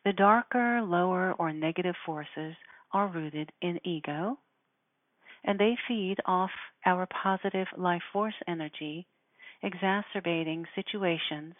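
A woman speaking in a measured, deliberate way, giving spiritual instruction and guided meditation. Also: lowish voice, fairly even intonation, no echo. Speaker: spiritual teacher guiding listeners. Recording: narrow phone-like sound.

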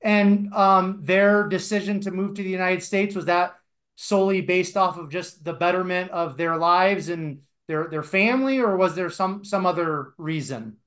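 A man's voice: high-pitched, moderate pace, fairly bright tone. A man hosting a podcast, asking long questions with many fillers and polite asides. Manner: hesitant, lots of fillers, polite. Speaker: podcast host. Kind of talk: casual podcast interview.

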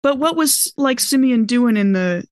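A woman playing a tabletop game, chatting casually in an excitable, jokey manner. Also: fairly high pitch, a little slow, no room sound, clean studio sound. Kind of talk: casual, playful game chat.

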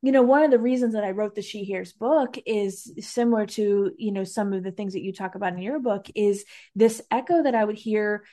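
A woman hosts a podcast conversation at an average pitch. She talks in a reflective way. She often circles back and restarts her sentences as she finds her thoughts. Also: brisk, few pauses, mellow. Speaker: podcast host.

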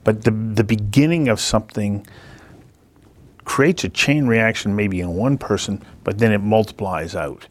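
A man hosting an interview show, reading a scripted introduction and then asking reflective, earnest questions in long measured sentences. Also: lowish voice.

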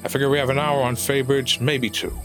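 An actor plays a wily old-timer pilot in an adventure audio drama, with music behind him. The older man talks in a folksy, world-weary, unhurried way at a middling pitch. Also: level tone, a bit bright, natural voice. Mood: businesslike.

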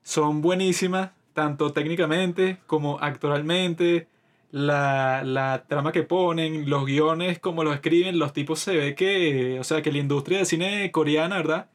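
A Venezuelan-accented man co-hosts a podcast, chatting casually in a talkative, slangy and opinionated way. His voice is fairly high and steady, and he speaks unhurriedly.

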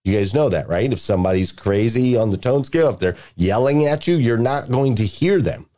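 A middle-aged man delivers a motivational talk on leadership. He speaks with energy and emphatic repetition, drilling his points home. He slips into lively storytelling to make them stick. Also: mid-range voice, brisk. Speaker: podcast guest speaker, leadership coach.

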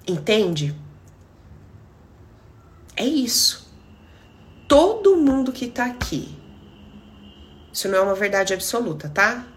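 A woman's voice: mid-range voice, very animated, slow pace, long pauses. A middle-aged Brazilian woman, a therapist talking on a casual live stream, blunt and emphatic, acting out bits of dialogue. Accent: Brazilian Portuguese.

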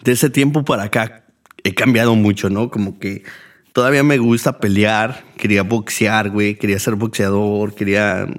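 A man's voice: fairly low pitch, fairly even intonation, normal speed. A man with a Mexican Spanish accent, hosting a podcast as a casual monologue. He rambles and swears a lot, with many fillers. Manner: profane, rambling, heavy use of fillers. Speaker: podcast host.

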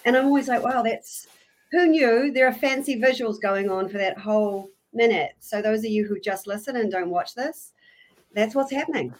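A woman in her forties from New Zealand with a New Zealand accent, a podcast guest chatting casually, quick to poke fun at herself and laugh. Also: a little high, low-quality recording. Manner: chatty and self-deprecating, laughs often. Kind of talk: casual interview chat.

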